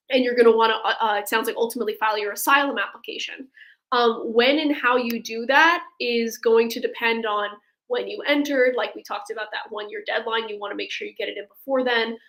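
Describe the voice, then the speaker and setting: Female legal expert, higher voice, conversational, walks listeners through procedures step by step. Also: fairly bright tone. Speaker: immigration attorney, guest expert. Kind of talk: explaining legal steps in a webinar Q&A.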